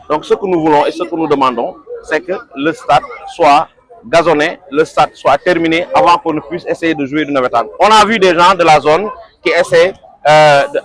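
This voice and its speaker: A man's voice: fairly high pitch, a bit bright, rough recording. A man making firm, demanding statements at a protest. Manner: firm, demanding, leads a chant. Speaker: protester speaking to press.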